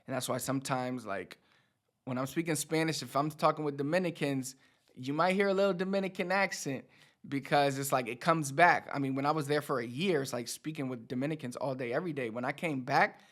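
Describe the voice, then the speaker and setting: A Spanish teacher and channel host in his thirties gives a casual motivational talk to camera, repeating words for emphasis. His medium-pitched voice is fairly bright and fairly quick.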